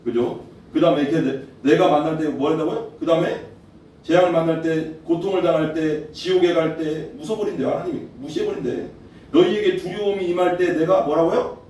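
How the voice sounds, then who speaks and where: A man gives a sermon, speaking casually and asking his congregation questions as he goes. His voice sits fairly high for a man yet sounds mellow. The mic picks him up from a distance in a very echoey church hall, with faint noise behind him. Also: steady tone, a little fast. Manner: conversational preaching, asks the congregation questions. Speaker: pastor.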